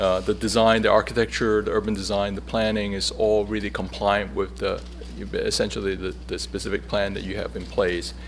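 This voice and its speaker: A man talks at a moderate pace as music plays behind him. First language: not English. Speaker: architect. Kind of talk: design presentation at public hearing. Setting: council chambers meeting.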